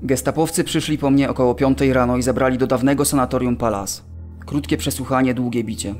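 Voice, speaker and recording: A man's voice: mid-range voice, steady tone, fast talker, a little mellow, natural voice. An actor playing an officer cadet held as a political prisoner, recounting his arrest in a dramatized audio testimony. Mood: grave recounting. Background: music.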